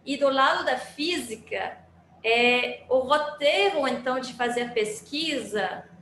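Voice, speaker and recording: A woman with a Quebec French accent gives a halting academic talk over a laptop microphone, full of fillers and restarts. Her voice sits a little high. The room is echoey, with faint background ambience. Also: a bit bright, a little hiss or hum. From Montreal, Canada. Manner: hesitant, many fillers and restarts. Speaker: guest speaker, engineering physicist. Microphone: laptop mic on a video call.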